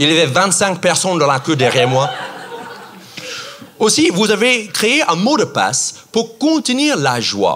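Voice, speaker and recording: A man with a high pitch talks at a very slow pace, his loudness very even, his pitch swinging very widely, with long, frequent pauses and noticeable background noise behind him. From New York. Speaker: stand-up comedian. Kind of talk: live stand-up comedy show.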